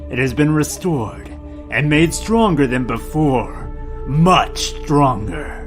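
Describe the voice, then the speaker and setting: A man's voice: medium pitch, lively intonation, slow pace. A man acting a sinister, grandiose elder of a secret cult in a radio drama, solemn, incantatory and menacing. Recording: music under the voice.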